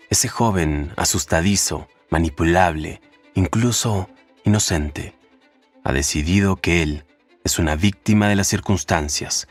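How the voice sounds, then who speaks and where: A man narrates a summary of a classic novel in a measured, deliberate storytelling voice. His voice sits very low and deep. Soft music plays faintly underneath. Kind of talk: scripted narration of a book summary.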